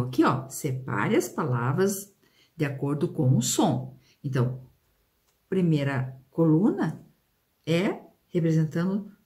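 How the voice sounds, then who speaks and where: Brazilian woman teacher for a kids' video lesson; lowish, very expressive pitch, unhurried, stretches words out, asks the class questions. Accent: Brazilian Portuguese. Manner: slow, drawn-out pronunciation of example words; questions and prompts aimed at pupils.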